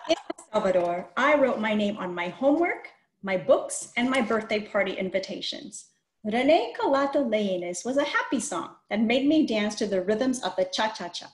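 A woman's voice: mid-range voice, lively intonation, normal speed. A middle-aged woman hosting a picture book read-aloud over a video call. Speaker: host reading a children's book. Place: plain small room, indoors. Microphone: video call computer microphone. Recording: roomy, echoey video call.

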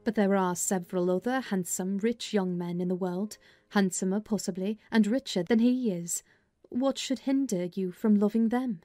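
A woman's voice: mid-range voice, normal speed, warm tone, dry recording, close to an everyday voice. A woman voicing a sensible, skeptical servant woman in a dramatized audiobook, practical and chiding. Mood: dry, questioning. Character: sensible, skeptical servant woman advising her young mistress. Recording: music under the voice.

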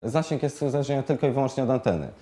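A man's voice: mid-range voice, expressive. A man giving an unscripted product explanation as a shop expert, hesitating often and repeating words, picked up on a lapel mic. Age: 20s. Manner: halting, hesitant delivery with frequent fillers and repeated words.

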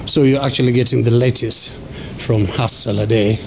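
A man's voice: medium pitch, fairly even intonation, normal speed, heavy background noise. A man with a Kenyan accent giving casual walking commentary as a vlogger. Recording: clear music behind.

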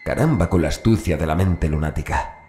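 An audiobook narrator with a very deep, slightly fast and slightly mellow voice reads a scripted horror story. The recording has a roomy echo, with faint background music playing.

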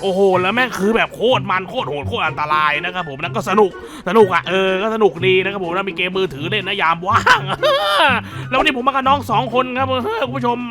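A man giving casual gameplay commentary as a gaming video host, excitable and crude, joking and laughing often. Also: high-pitched, fast talker, few pauses, over music. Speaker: gaming YouTuber.

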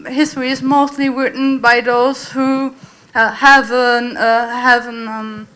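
A woman with a high, bright voice makes an earnest comment from the audience. She pauses to search for words, speaking into a handheld mic in a lecture hall. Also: level tone, clean tone. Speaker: audience member. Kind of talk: comment from the floor.

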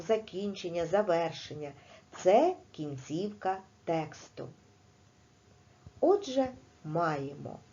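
A woman teaching a primary school class in a recorded video lesson, explaining slowly and clearly with patience. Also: medium pitch, dark tone, muffled recording.

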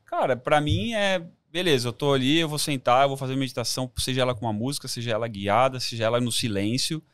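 A man's voice: mid-range voice, fast talker, clear, resonant tone, dry recording, studio quality. A Brazilian man talking informally and enthusiastically as a podcast guest, with plenty of slang. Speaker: podcast guest, amateur triathlete. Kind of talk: casual podcast chat.

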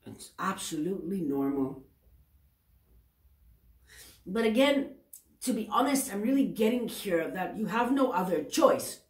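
A tarot reader, a Greek-accented woman in her forties, speaks to camera from a table in an indoor room in a chatty way, often correcting herself and checking on the viewer. Her medium-pitched voice is very animated but a little slow, with frequent pauses, and it echoes with reverb.

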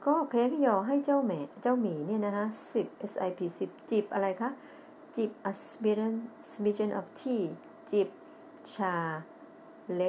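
Slow, careful Thai woman teacher. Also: mid-range voice, slight background noise. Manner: reads English lines slowly and loudly, then explains quickly in Thai; spells words letter by letter. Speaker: English teacher. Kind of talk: TV English lesson, reading a children's story aloud.

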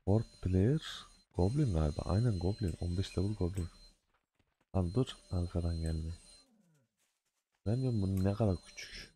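Deep-voiced man giving chatty game commentary. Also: moderate pace, long pauses, mellow, slight background noise. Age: adult with a day job. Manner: chatty, talks back at the game with playful mock scolding; loose slangy banter. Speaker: gaming video host. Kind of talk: casual let's-play commentary.

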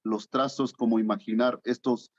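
Speaking over a video call from his home art studio, a guest artist in his thirties from Oaxaca, Mexico answers interview questions hesitantly, filling gaps with lots of fillers. His mid-range voice holds a steady tone at a normal speed, though the recording sounds muffled.

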